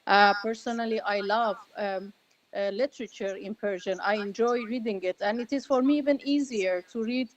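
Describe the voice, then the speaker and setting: A woman activist speaking on a panel, a native Arabic speaker, pausing often with many ums and restarts. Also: medium pitch, dull audio, a little hiss or hum. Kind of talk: panel talk.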